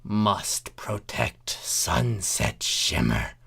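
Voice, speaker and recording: A man voicing a crushed but grimly determined swarm of changeling creatures in a comic story, with slow, strained speech. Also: fairly low pitch, big pitch swings, vocal fry, a bit bright, husky, exaggerated voice. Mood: grim resolve.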